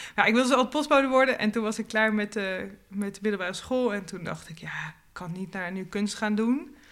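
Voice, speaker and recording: A woman talks at a fairly quick pace in a plain, everyday voice, fairly high in pitch with ordinary pitch variation. Her loudness swings a lot. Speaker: painter. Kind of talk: casual chat.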